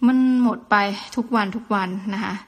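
A woman who teaches school, hosting a podcast and talking in an earnest, conversational and softly polite way. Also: moderate pace. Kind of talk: reflective podcast monologue.

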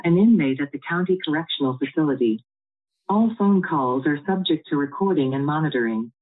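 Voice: mid-range voice, a little fast. Automated prison phone call announcement. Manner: even, formal, prompt-reading. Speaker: recorded phone system voice. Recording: tinny phone line from far off.

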